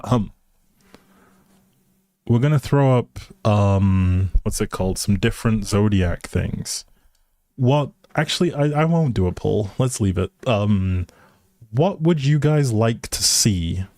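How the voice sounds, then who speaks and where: A man's voice: lowish voice, darkish tone, dry recording, studio quality. A man livestreaming a game with casual, playful, teasing chat to his viewers.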